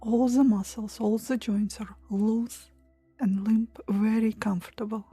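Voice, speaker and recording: Slow, breathy woman guiding meditation. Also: fairly high pitch, steady tone, dry recording, faint music behind. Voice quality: soft, breathy, near-whisper at times. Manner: soothing, hushed, pausing between short phrases. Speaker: meditation guide. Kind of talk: guided meditation, hypnotic relaxation countdown.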